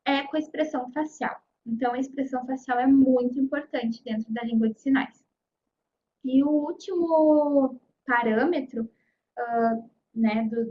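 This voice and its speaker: Female teacher, high pitch, explanatory lecture tone, dull lo-fi recording. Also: moderate pace, warm tone. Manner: explanatory, frequent "né?" and "tá?" check-ins. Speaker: sign language teacher.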